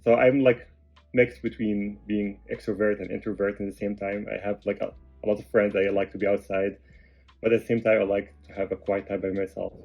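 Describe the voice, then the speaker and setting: Calm low-voiced man, muffled sound. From Egypt. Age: 30s. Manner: calm, quiet, hesitant with many fillers. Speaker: podcast guest. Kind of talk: casual interview answers.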